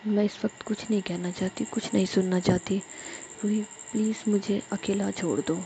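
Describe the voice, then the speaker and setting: A woman voicing a short-tempered, exasperated young woman who scolds in a raised, loud voice. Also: medium pitch, flat delivery, normal speed, slight background noise, natural voice, poor audio. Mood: sulky.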